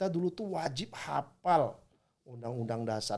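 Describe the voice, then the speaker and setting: With a Medan accent, a man speaks in very wide pitch swings. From Indonesia, Medan (North Sumatra). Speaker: labour union leader. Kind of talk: podcast interview.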